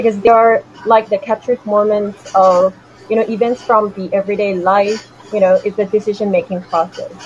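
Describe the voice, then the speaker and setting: Light background noise sits under a speaker with a Korean accent talking at a fairly quick pace with fairly even intonation. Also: woman. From South Korea. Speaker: abstract painter; panelist. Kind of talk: panel discussion. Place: home room. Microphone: video call.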